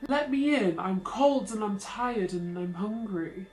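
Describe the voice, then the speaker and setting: A woman playing a menacing, creepy fake Santa, a big man with a slow, taunting delivery and a British-sounding accent, in a spooky story. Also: medium pitch, lively intonation, darkish tone, echoey room, slight background noise, natural voice, rough recording. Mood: demanding, menacing.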